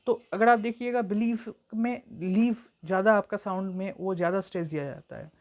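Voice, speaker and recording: A young woman tutor giving an exam-prep lecture, explaining at length with frequent fillers and slowing down to read example sentences aloud. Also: medium pitch, darkish tone. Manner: reads English examples slowly and deliberately. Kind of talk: exam-prep lecture mixing Hindi and English.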